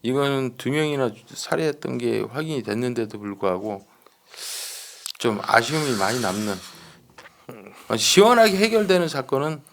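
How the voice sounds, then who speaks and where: A man with a gravelly, creaky mid-pitched voice talks through a criminal case as a commentator. He explains conversationally and emphatically, circling back over his points. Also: lively intonation, normal speed, background noise. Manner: emphatic, explanatory, repeats points, seeks agreement. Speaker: true-crime commentator with detective background.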